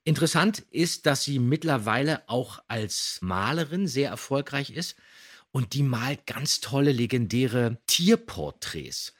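A man hosts a casual podcast in a mid-pitched, slightly husky voice. He tells anecdotes and shares background facts in a chatty, animated storyteller's manner. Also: measured pace. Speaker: podcast host.

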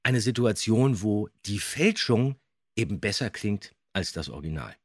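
A man speaks as an emphatic podcast co-host in casual chat. His voice is slightly low and husky, with very animated intonation. The recording is dry and close. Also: normal speed, no room sound. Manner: emphatic, opinionated.

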